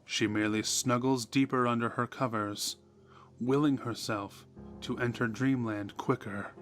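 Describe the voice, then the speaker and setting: A man's voice: medium pitch, fairly even intonation, unhurried. A man reading a horror story as a dramatic scripted narration. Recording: music behind the voice. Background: music.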